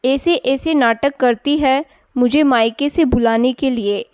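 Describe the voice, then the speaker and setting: A woman's voice: sits high, measured pace, a little mellow, clear, resonant tone, no echo, clean studio sound. Woman voicing a bitter, unhappy young wife. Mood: tearful. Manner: complaining, resentful.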